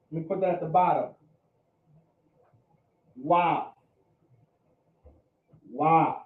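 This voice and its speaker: Guy teaching class, kinda high voice, keeps saying all right, tinny and echoey. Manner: repeats "all right?" to check understanding, emphatic. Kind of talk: classroom lecture. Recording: echoey room, phone-like audio.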